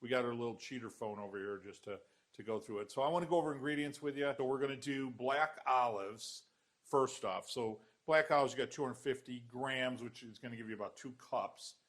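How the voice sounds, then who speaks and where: A man's voice: medium pitch, a little fast. A man hosting a casual cooking show in a kitchen, chatting and teasing his guest. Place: home-style kitchen.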